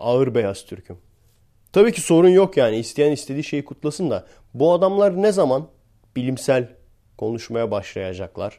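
On a very clean recording with a silent background, a man with a dark, mellow tone and a fairly high pitch speaks at a moderate pace, his pitch swinging very widely. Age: 30s. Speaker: podcaster. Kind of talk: casual monologue.

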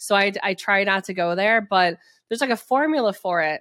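The recording is very clean, with a silent background. A woman with a Wisconsin accent speaks at a fairly high pitch with ordinary pitch variation. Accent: Wisconsin Midwestern. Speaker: marketer and podcast host. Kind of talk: casual chat.

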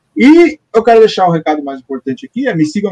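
The dark, mellow tone comes through in a dry, close sound with no echo. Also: man. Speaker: podcast host. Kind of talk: casual chat.

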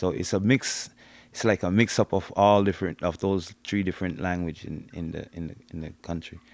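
A man speaks with a Belizean accent, his pitch very deep and low, at a moderate pace with fairly even intonation. His loudness swings widely, and the recording is very clean with a silent background. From Belize City, Belize. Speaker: reggae DJ and MC. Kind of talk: casual interview chat.

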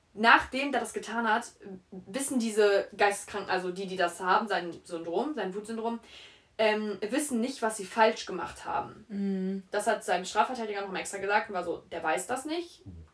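A woman's fairly high voice moves at a middling speed, its pitch varying normally, with noticeable noise behind her. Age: young. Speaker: podcast co-host. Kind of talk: casual chat; storytelling.

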